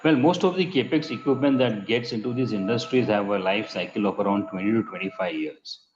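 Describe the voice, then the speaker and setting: A man, a company executive giving measured, businesslike answers on an earnings call. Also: on the low side, noisy background. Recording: muffled conference-call line.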